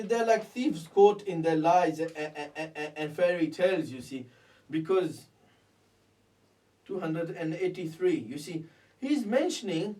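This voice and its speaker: A man in his thirties with a South Asian accent gives a halting, repetitive religious lecture on texts, often punctuated with a tag phrase. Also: a little high, a little mellow. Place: indoors at a desk in a small curtained room. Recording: distant microphone in a room.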